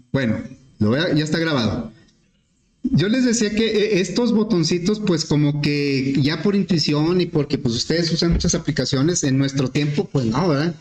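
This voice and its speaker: A man teaching programming, explaining step by step with questions to the class and often clearing his throat. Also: fairly high pitch, a little mellow. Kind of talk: screen-recorded class explanation. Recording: echoey room.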